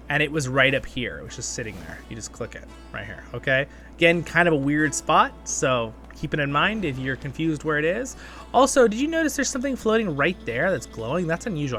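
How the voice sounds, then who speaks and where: A man with a bright, slightly high voice hosts a casual gameplay guide. He rambles along in a chatty way, talking to viewers like friends. Soft game music plays behind him. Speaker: gaming channel host. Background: game background music.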